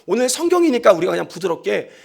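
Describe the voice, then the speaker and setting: Animated high-voiced man preaching. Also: fast, creaky, husky. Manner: animated storytelling, acts out quoted voices; talks straight to the congregation, asks them to repeat. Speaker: pastor. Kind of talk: sermon.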